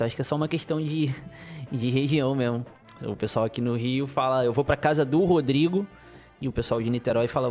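A man's voice: on the high side, a little mellow. A man, hosting a casual solo podcast in a rambling, chuckling, playfully griping way. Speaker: podcast host.

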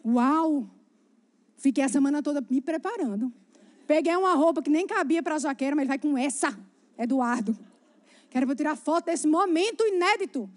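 Woman preacher, high voice, animated and chatty storytelling sermon. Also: a little fast. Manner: animated, chatty, addresses the congregation directly.

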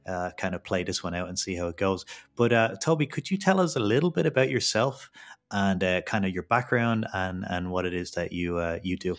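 A man hosting a podcast, asking questions in a hesitant way with many fillers. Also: sits low. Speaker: podcast host. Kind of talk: casual podcast interview.

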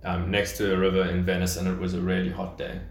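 Low-voiced man agreeing emphatically, echoey room. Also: monotone, fast. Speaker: dating coach. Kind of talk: casual instructional podcast chat.

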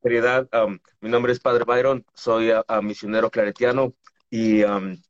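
Un sacerdote de unos cuarenta años, originario de Ecuador, invitado que conversa en una videollamada, bromista y con muchas pausas y muletillas. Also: male voice, mid-range voice, flat delivery, dull audio. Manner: jokey, laughs often, hesitant with many fillers. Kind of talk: casual chat on a video call.

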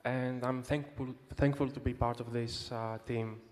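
A man's voice: mid-range voice, steady tone, a little slow. A young man from Greece introducing himself as a panelist. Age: young adult. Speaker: panelist, philosophy student. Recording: echoing hall, faint noise, distant.

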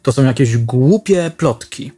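A man voicing a stern, guarded woman headmistress, speaking briskly and coolly. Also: medium pitch, animated, warm tone, husky. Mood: cold.

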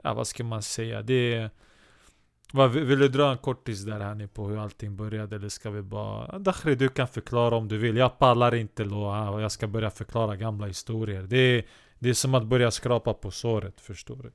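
A man's voice: on the low side, steady tone, vocal fry. Rambling man hosting a comedy podcast. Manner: rambling, halting, full of restarts. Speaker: host.

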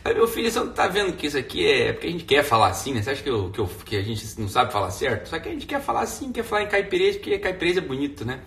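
A man's voice: on the high side, very animated, rapid-fire, gravelly, hardly any pauses, fairly bright tone, recorded from a distance. A man with a Brazilian Portuguese accent hosting a live stream from home, rambling in slang and tagging his sentences with "né". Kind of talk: casual live stream monologue. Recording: echoey room, voice off mic.

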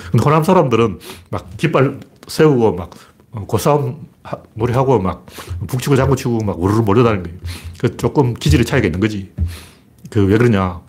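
Husky, lively-voiced man giving blunt commentary. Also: medium pitch. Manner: blunt, rambling and opinionated, with folksy asides. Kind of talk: casual spoken commentary monologue.

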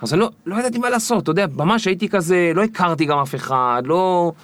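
A man guest on an interview podcast, telling stories in a lively way and acting out the people in them. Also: high-pitched. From Israel. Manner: animated, acts out the people in his stories. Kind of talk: storytelling interview.

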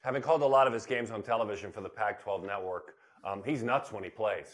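A man's voice: lowish voice, fast talker. An older man co-hosting a baseball podcast, chatting casually and animatedly, often repeating phrases for emphasis. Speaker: podcast co-host, baseball broadcaster. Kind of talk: casual sports chat.

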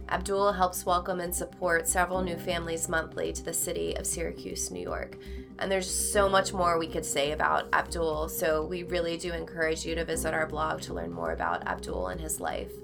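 A woman co-host reading a scripted podcast introduction in a lowish voice with a strong gravelly fry. Her phrases fall away quietly at the ends, and faint music plays beneath her.

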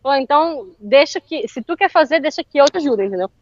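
A woman telling a story in casual chat, animated and often laughing. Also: sits high, fast talker, dry recording, lo-fi sound. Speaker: interview guest.

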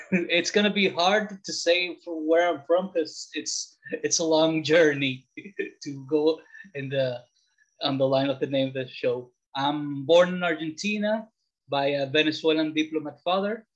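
Male guest from the Dominican Republic, around forty, conversational, pitched a little high, mildly lo-fi sound. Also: steady tone, measured pace. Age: late 30s or older. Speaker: podcast guest. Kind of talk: casual interview, personal storytelling. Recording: slightly dull, lo-fi audio.

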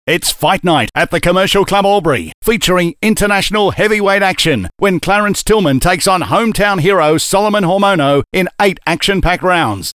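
A man's voice: high voice, fairly bright tone, no room sound. A male Australian voice-over artist delivers a scripted commercial read. He has a polished, promotional announcer delivery. The recording is close and dry, with no room sound. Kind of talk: scripted radio advertising read.

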